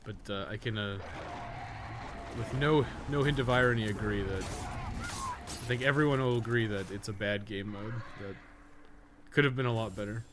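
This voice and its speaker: A young man streams a game live and chats casually, rambling, swearing and laughing easily; he's a game streamer who also co-hosts a podcast. His voice is on the low side, his pace moderate with frequent pauses, and the background is noisy.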